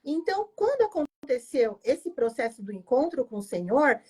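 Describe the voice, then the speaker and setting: A woman's voice: high-pitched, big pitch swings, normal speed, dark tone, breathy edge. A woman pastor tells her personal testimony in an emotional, emphatic way, often adding "né?". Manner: emotional, emphatic storytelling with frequent "né?".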